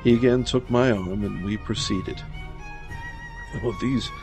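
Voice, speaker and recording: A man reading scripted gothic horror narration in a dramatic, measured manner. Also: on the low side. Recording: music behind the voice.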